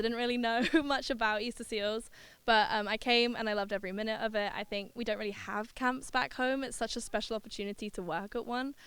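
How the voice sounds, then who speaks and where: Very fast and fairly high, a woman's voice with an English accent shows ordinary pitch variation on a very clean recording with a silent background. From southern England. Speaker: camp counsellor. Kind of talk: interview.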